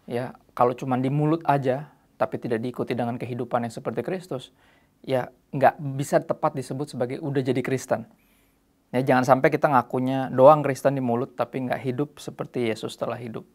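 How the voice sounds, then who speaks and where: A man hosting a Christian question show, talking casually and quoting scripture. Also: mid-range voice. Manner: relaxed slangy delivery, quoting scripture. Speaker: host. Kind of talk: casual preaching talk.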